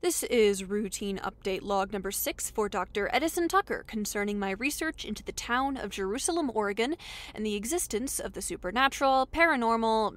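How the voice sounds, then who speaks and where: A woman's voice: a little high, a bit bright. A woman playing a sardonic, defensive researcher who swings from formal to flippant in a comedic audio drama log. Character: snarky, defensive female paranormal researcher, adult.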